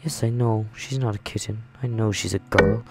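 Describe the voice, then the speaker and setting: A man's voice: on the low side, moderate pace, over loud music. A man hosting a game let's-play, reading aloud and commenting casually in a rambling, apologetic, self-interrupting way.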